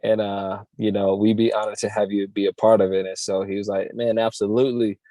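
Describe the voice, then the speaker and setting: A man's voice: fairly low pitch, flat delivery, brisk, warm tone, no room sound. A man, a worship musician, talking earnestly in an interview with many restarts. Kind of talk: casual interview.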